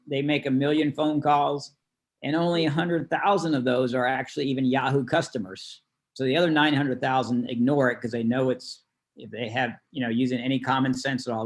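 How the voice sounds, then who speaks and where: A man working as a class instructor, explaining things conversationally in an informal online lesson. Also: mid-range voice. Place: online video call.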